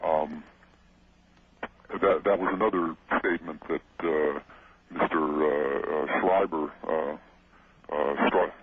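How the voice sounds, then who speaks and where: A man on a radio call-in, his voice run through a voice changer, speaking haltingly and often restarting his words. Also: extremely low pitch, fairly even intonation. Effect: voice changer disguising his voice. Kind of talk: radio interview. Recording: tinny phone line with loud hiss.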